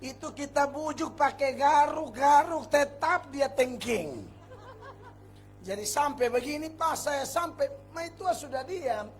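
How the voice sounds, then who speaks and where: A male pastor preaching a revival sermon, telling a personal story with hushed asides and sudden shouts. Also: very high-pitched, takes it slowly, soft background music. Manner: animated storytelling, acts out scenes, shifts between hushed and shouting. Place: large revival meeting.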